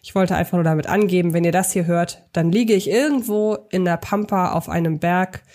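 A woman's voice: on the low side, brisk, a little mellow. A woman co-hosting a podcast, casually discussing films and explaining her reasoning step by step. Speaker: podcast co-host.

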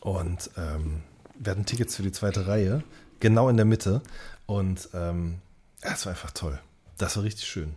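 A man's voice: sits low, normal speed, a little mellow, slightly rough. A man chatting casually as a podcast co-host, often hesitating as he searches for words.

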